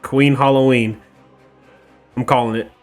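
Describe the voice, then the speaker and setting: A man's voice: mid-range voice, fairly even intonation, a little slow, faint music behind. A man giving casual let's-play commentary, laid-back and slangy, reacting as a gaming YouTuber.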